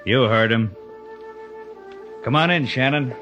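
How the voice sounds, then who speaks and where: A man's voice: mid-range voice, takes it slowly, over music, lightly acted. An actor in a 1950s radio drama playing a plain-spoken gangster's henchman, blunt and simple.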